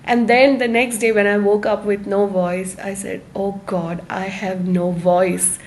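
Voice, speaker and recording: A woman hosts a live self-help session for online viewers. She speaks slowly and deliberately in a medium-pitched voice, halting between short phrases and leaning on certain words. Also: flat delivery. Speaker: host of a live-streamed self-help series.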